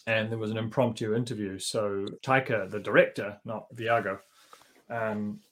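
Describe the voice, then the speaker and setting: A man's voice: fairly low pitch, fairly even intonation, moderate pace. A man on a panel, an actor telling easygoing stories from a film shoot with frequent chuckles. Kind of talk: anecdotal panel storytelling.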